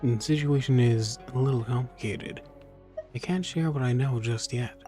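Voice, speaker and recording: A man's voice: mid-range voice, moderate pace, mellow. Male playthrough host, everyday mid-range voice, informal commentary over faint game music. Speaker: gamer playing and reading dialogue choices aloud.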